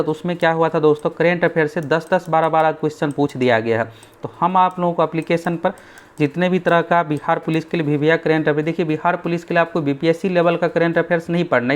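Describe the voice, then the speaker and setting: Man briefing students on an exam. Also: a little high. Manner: talks straight to students, keeps repeating "dekhiyega"; pushes his course and app. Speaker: exam coaching teacher. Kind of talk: explainer video on exam updates.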